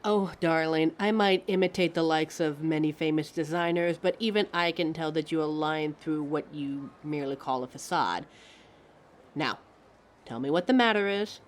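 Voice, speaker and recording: A woman's voice: deep voice, normal speed, natural voice. A woman voicing a pompous, theatrical living mannequin who lectures the listener as a fussy fashion expert in a scripted roleplay. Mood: patient, instructive. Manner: pompous, affected, instructive, calls listener darling.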